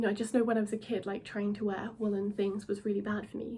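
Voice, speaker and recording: A woman's medium-pitched voice, dark and mellow, with flat monotone intonation and vocal fry. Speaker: knitting podcaster. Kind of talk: casual monologue podcast. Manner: halting, many pauses and filler; stutters.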